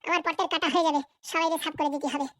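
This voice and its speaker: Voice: very high voice, flat delivery, rapid-fire, a bit bright, no echo. A performer voicing a ruthless, ambitious, bossy wife and mother in a Bangla comedy cartoon, scheming coldly.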